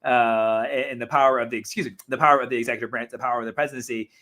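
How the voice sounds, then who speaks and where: A man hosting a live talk show, chatting casually and reacting to viewer comments, his voice a little hoarse and his delivery animated with frequent self-corrections. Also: medium pitch, rapid-fire. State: slightly hoarse.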